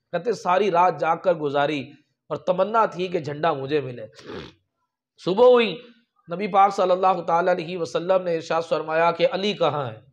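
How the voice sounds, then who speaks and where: A man's voice: sits high, dull audio. A man preaching a sermon, telling religious stories with emphatic raised peaks. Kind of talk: storytelling sermon.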